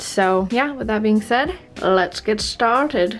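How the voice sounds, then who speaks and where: With music in the background, a woman speaks in an upbeat tone at a fairly high pitch. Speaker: vlogger. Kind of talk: casual talk to camera.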